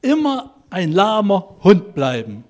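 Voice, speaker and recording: A man's voice: high voice, wildly swooping pitch, slow, a little mellow, exaggerated voice. A man voicing a well-meaning middle-aged pet shop owner, speaking kindly and persuasively in a sermon story.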